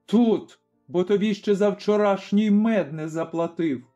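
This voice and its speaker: A man's voice: high-pitched, measured pace, mellow. A man voicing a grim, fearless Cossack father who speaks firmly and commandingly in a storybook reading. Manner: firm, commanding. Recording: slightly dull recording, faint music.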